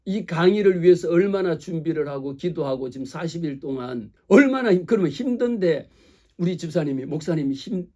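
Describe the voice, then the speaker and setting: A man's voice: a little high, lively intonation, brisk, mellow. A male pastor preaching a sermon, talking straight to his congregation with rhetorical questions and acting out the voices he quotes.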